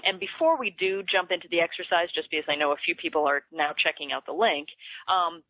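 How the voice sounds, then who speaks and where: A woman's voice: lowish voice, fast talker, dry recording, phone-quality sound. Woman host on a band-limited call. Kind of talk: conversational webinar hosting.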